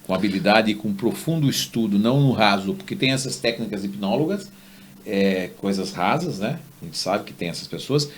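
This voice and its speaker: Low-voiced male podcast host, animated storyteller, slight background hiss. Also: moderate pace. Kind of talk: conversational interview.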